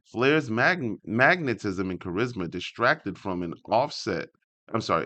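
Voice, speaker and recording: A man hosting a read-along, reading an article aloud and breaking off into casual, animated asides. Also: on the low side, no room sound.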